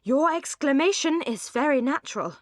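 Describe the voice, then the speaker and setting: A pompous English gentleman of a classic novel, acted out by a woman narrator. He holds forth solemnly and at length, very pleased with himself, in a close, dry audiobook sound. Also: sits high, expressive, normal speed, no room sound, voice pushed up. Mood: pompous, indignant. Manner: pompous, solemn, long-winded. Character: pompous, solemn, self-satisfied gentleman brother. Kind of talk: audiobook character dialogue.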